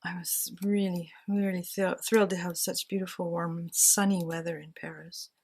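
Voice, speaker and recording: Her voice is fairly low, husky and flat, delivered at a moderate pace. She's a crafting vlogger casually chatting to herself and her viewers as she decorates a handmade journal at home.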